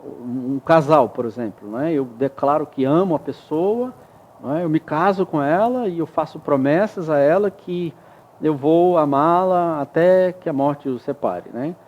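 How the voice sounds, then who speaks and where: A man's voice: on the high side, measured pace, a little mellow, highs cut off. A man as a studio interview guest, explaining ideas patiently with examples and frequent tag questions. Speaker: guest expert.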